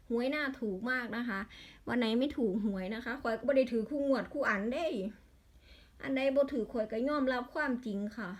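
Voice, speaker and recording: A woman with an Isan accent in a casual vlog, rattling off lottery number strings and breaking into exasperated grumbles. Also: on the high side.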